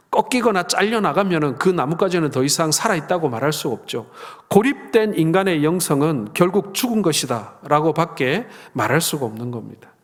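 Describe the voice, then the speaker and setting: Middle-aged male pastor, lively storyteller voicing family dialogue, slightly raised pitch, echoing sanctuary. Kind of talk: sermon. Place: church sanctuary. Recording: long reverb of a church hall.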